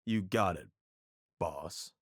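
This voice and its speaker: An actor playing a calm, calculating man with a laid-back, unhurried manner in an audio drama. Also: low voice, noisy background. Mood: cool, measured. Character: Frankie, calm calculating man with manic cheer.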